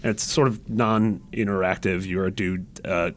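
A man's voice: sits low, fairly even intonation, moderate pace, a little hiss or hum. A man chatting casually and jokily about video games as a podcast panelist, with a wry manner.

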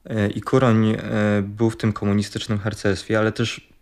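A man's voice: fairly low pitch, level tone, normal speed, a little mellow. A man explaining something conversationally in a hesitant, careful way.

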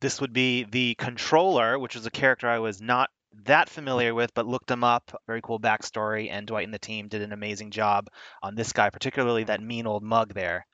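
A man appearing as a guest on a podcast, speaking in a measured, informative way. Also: on the low side, steady tone, pushed and bright, no echo, muffled recording. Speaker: toy brand guest. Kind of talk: casual podcast interview.

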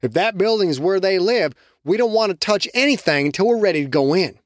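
A cold, authoritative cowboy hunter who lays out a plan with calm command, as a narrator puts him on. The voice stays near the narrator's own, lively in pitch, recorded close and dry. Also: male voice, a little fast, no room sound. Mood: planning.

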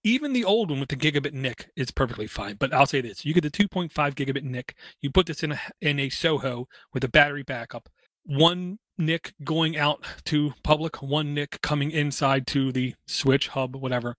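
A man's voice: a little high, moderate pace, fairly bright tone, no echo, clean studio sound. A man talking casually about hardware as a podcast co-host, enthusiastic and fond of homespun comparisons. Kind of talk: casual tech chat.

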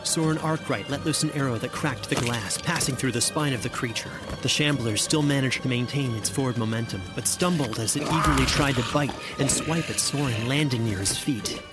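A man's voice: mid-range voice, a little fast, hardly any pauses. A man narrating fantasy horror action as a game master. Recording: loud music behind voice. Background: loud music.

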